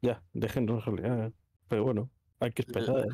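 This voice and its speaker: A man's voice: mid-range voice, little pitch movement, moderate pace, gravelly, mellow, slightly rough, no room sound, clean studio sound. A man chatting casually with gaming companions over voice chat.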